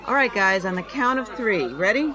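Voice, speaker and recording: An actress playing a commanding, urgent rescue team leader in an audio drama. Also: female voice, medium pitch, expressive, moderate pace, crowd noise, lightly acted.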